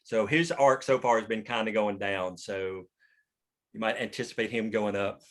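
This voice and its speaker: A man's voice: on the low side, normal speed. A man leading a casual script discussion, explaining his thinking informally with the odd swear word. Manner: informal, explanatory, occasionally profane. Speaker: writer leading a script table read.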